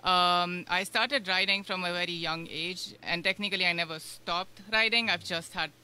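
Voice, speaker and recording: A woman's voice: lowish voice, normal speed, pushed and bright, clear, resonant tone. A woman from India, a guest on a radio show, talking casually and rambling with many fillers. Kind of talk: casual interview chat. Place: radio studio.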